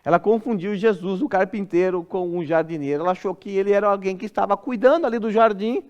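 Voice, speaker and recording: High-voiced Brazilian pastor preaching. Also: male voice, fast talker, smooth, muffled recording. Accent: Brazilian Portuguese. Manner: expressive preaching, drops soft and low when quoting a parent. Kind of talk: expository sermon. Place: church.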